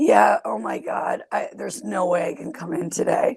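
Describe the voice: This put-on character voice sounds raspy and moves at a moderate pace.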